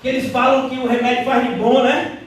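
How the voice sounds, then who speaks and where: A man preaching a sermon as pastor, animated, mimicking the voices of doubters, recorded in a church hall from a distance. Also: very high-pitched, fairly quick. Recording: echoey hall, heard from a distance.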